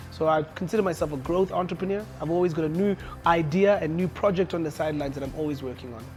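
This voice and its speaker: A very fast man's voice, fairly high in pitch with ordinary pitch variation, over music in the background. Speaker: radio DJ and entrepreneur. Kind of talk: interview answer.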